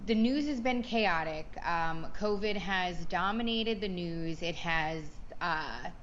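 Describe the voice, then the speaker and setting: A woman's voice: fairly low pitch, takes it slowly, fairly bright tone, dull audio, a little hiss or hum. A woman co-hosting a sports podcast, leading the casual talk in an upbeat, chatty way with playful catchphrases, over a remote virtual recording.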